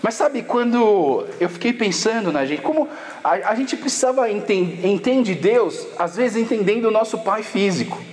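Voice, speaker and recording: A man's voice: high voice, expressive, normal speed, a little mellow. A male pastor with a Brazilian Portuguese accent, giving a casual, slangy sermon to young people at a camp and telling stories with acted quotes. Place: church camp hall. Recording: long hall reverb.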